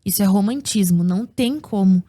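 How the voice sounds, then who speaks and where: A woman's voice: mid-range voice, a little fast, mellow. A woman speaking as a guest agricultural producer, explaining things in a casual podcast chat and often tagging sentences with questions. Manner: explanatory, frequent tag questions.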